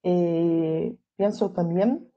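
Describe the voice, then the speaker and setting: A woman's voice: lowish voice, extremely slow, highs cut off. A Brazilian woman whose first language is Portuguese, giving an academic lecture in Spanish and searching carefully for her words. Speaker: guest lecturer.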